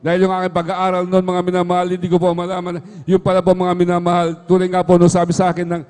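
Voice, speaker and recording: Man, church testimony, high flat voice, quick, earnest, long hall reverb. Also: clear, resonant tone. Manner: earnest, repeats a fond address to the listeners after nearly every phrase. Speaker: church member giving testimony. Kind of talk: testimony at worship service.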